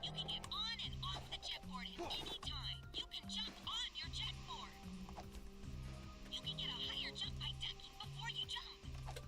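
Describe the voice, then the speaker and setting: A woman's voice: very high voice, animated, moderate pace, sharp tone, faint music behind, exaggerated voice. A woman voicing a young female mechanic who gives instructive tutorial tips in a game. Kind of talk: game voice acting.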